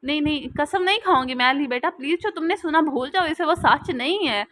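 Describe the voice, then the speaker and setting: A woman's voice: high-pitched, lively intonation, a little fast, a bit bright, slight background noise. A woman voicing a guilty middle-aged mother who begs through tears. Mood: pleading. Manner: begging, tearful.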